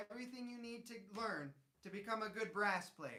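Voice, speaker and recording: A man speaks at an extremely high pitch. His tone is bright and sharp. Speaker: trombonist and music teacher streaming live. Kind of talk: live stream Q&A. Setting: live stream. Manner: loud, yelling. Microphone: mic level set for trombone, voice quieter.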